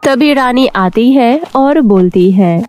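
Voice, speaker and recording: A woman's voice: fairly high pitch, expressive, slow pace, darkish tone. A woman storyteller reading a scripted children's fairy tale narration. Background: faint music.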